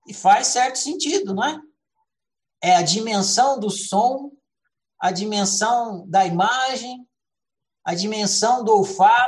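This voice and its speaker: A very slow pace with long, frequent pauses. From Brazil, countryside. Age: 50s. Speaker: self-knowledge study group facilitator. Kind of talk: lecture.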